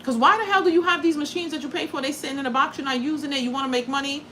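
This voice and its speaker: Her voice is high, bright and pushed, and she races along on a low-quality recording with some hiss or hum. She's a crafting content creator, born in Guyana and raised in the States, running a casual livestream full of profanity, frank chatter and jokes at her own expense.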